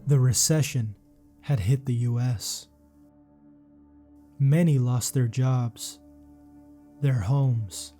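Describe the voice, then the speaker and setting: A man reading a scripted sports documentary narration in a measured, serious way. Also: medium pitch, warm tone.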